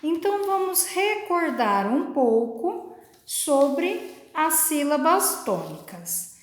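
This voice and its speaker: A woman teacher from Brazil, slowly and patiently explaining a lesson to children step by step. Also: sits high, sing-song, reverberant, a little hiss or hum. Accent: Brazilian Portuguese.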